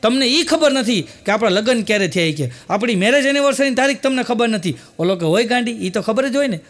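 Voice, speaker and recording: A man's voice: very high voice, lively intonation, a bit bright. A man doing stand-up, piling up repeated phrases toward a punchline. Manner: rapid rhythmic repetition building to a punchline. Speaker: stand-up comedian. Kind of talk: live stand-up storytelling.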